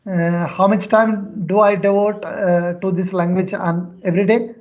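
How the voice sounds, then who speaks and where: A Pakistani man whose first language is Sindhi, a schoolteacher speaking careful, earnest English as a guest in a casual practice conversation, pausing often with filler sounds. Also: high voice, fairly even intonation, dull audio. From Pakistan, near Karachi.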